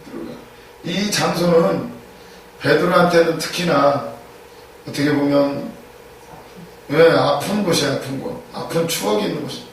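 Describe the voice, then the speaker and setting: A man's voice: on the high side, moderate pace, long pauses. A man preaching a sermon as a pastor, emphatic, repeating key phrases and asking rhetorical questions. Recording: echoey room, distant mic, faint noise.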